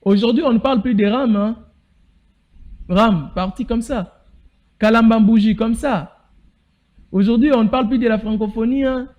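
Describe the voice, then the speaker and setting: A Congolese man hosting a TV talk show from a studio, speaking French with a Congolese accent. His voice is high, and he talks indignantly, firing rhetorical questions and sometimes rising to a shout. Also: moderate pace, long pauses, dull audio. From Bandundu, DR Congo. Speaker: TV show host. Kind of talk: live political talk show monologue.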